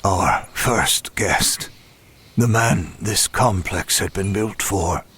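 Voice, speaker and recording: A man playing a broken, self-loathing demon who narrates a horror audio drama in a grave, measured way. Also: low voice, fairly bright tone, slight background noise. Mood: wary, stunned. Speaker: first-person narrator.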